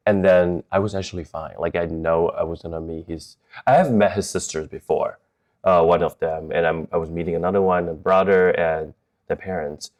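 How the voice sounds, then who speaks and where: A man's voice: sits low, fairly even intonation, normal speed, darkish tone. A man from Taiwan who moved to Chicago, talking candidly and conversationally as an interview guest.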